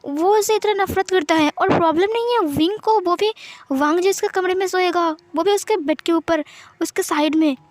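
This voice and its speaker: Chatty female storyteller with a high voice, casual fan fiction retelling, repeats phrases. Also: moderate pace, no room sound.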